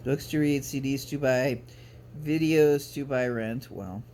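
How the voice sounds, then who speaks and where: A man's voice: medium pitch, unhurried, a little mellow. Rambling man over background noise. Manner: rambling, self-interrupting. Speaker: vlogger. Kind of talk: casual chatty vlog with some reading aloud. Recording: clear background noise, ambient sound.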